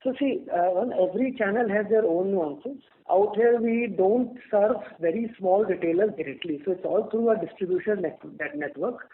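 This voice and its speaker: Indian exec guy, pretty high voice, explaining stuff on an earnings call, narrow phone audio. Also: normal speed. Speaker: company executive. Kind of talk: answering questions on an earnings call. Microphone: telephone line. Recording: narrow, tinny phone line.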